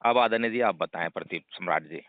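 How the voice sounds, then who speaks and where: Low-voiced man on a choppy phone line. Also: fairly quick, dry recording. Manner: explanatory, leans on tag questions. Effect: choppy phone line that breaks up. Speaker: leader of a Buddhist group. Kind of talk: phone discussion. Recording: dry, narrow phone-line sound.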